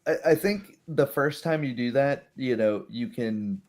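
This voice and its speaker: A man's voice: medium pitch, a little slow, darkish tone. A man who is a game master hosting a stream, chatting casually and explaining tabletop rules with little examples. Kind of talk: casual chat about tabletop role-playing rules.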